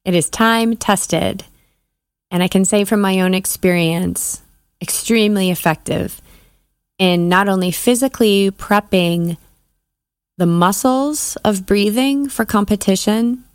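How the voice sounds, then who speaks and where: A woman leading a guided breathing meditation as a podcast host and coach, giving measured, soothing instructions with pauses. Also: medium pitch, dry recording, clean studio sound.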